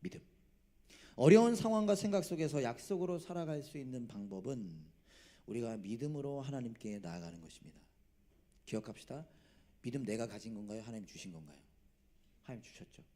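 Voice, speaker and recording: A man preaching a sermon as pastor, animated, throwing rhetorical questions at the congregation and dropping from loud to hushed, with self-mocking jokes. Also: mid-range voice, brisk, long pauses. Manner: jokes about himself.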